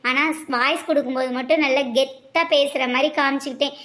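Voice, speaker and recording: A woman's voice: sits high, steady tone, fairly bright tone. A woman voicing Priya, a cheeky teenage hostel girl in a cartoon, teasing and joking with her friends. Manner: teasing, quick joking banter. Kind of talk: cartoon voice acting.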